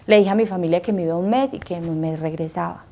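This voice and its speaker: A woman's voice: fairly low pitch, fast, dark tone. Earnest woman telling her vocation story. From Colombia. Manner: earnest, emotional storytelling, acts out her own past words. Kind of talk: personal testimony.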